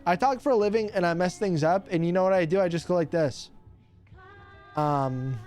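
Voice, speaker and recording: A man's voice: high-pitched, normal speed, a little mellow, soft background music. A young man, a radio host streaming casually while opening cards, teasing his chat and laughing often.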